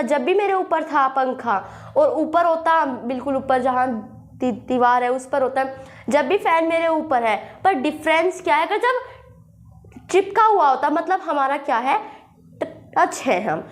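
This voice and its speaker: A young woman, teaching English grammar in a classroom style with a sore throat, repeating points and reading example sentences slowly. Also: high-pitched, lively intonation. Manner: repetitive, checks understanding with "thik hai". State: sore throat with a slight cough. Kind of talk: classroom lesson, explaining with examples.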